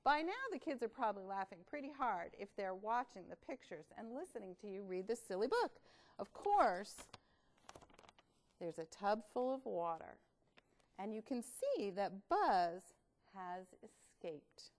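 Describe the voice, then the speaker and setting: A woman presenting read-aloud tips in an expressive, instructional way, with deliberate emphasis. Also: mid-range voice. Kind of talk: instructional talk with storybook reading.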